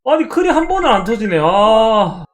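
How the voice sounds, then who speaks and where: A young man streaming a mobile baseball game, who swears a lot and shouts at his card upgrades. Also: high-pitched, big pitch swings, normal speed, music in the background. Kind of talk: live game streaming chat.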